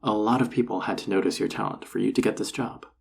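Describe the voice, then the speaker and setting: A man playing a flirty, encouraging enchanter boss in an intimate roleplay audio drama, teasing and reassuring in a husky, gravelly voice. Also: lowish voice, steady tone, fast, heavily acted. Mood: concerned, reassuring.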